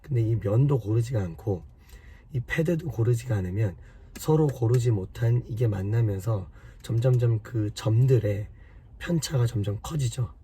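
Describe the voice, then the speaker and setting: A man with a hoarse voice from a cold, patiently explaining car repair step by step to his viewers in a casual way. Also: mid-range voice, moderate pace, mellow, a little hiss or hum. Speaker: car maintenance vlogger.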